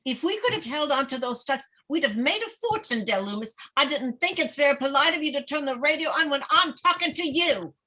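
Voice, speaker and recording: A woman's voice: sits high, lively intonation, fairly quick, hardly any pauses, sharp tone. A woman playing a fretful small-town wife and mother in a table read, complaining and scolding. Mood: peevish, complaining.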